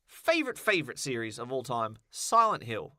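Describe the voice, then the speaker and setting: Man, bright forceful voice, podcast co-host, emphatic delivery, casual chat, dry close sound. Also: medium pitch, big pitch swings, normal speed, no echo. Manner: emphatic, repeats words for effect. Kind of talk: casual podcast chat about film and games.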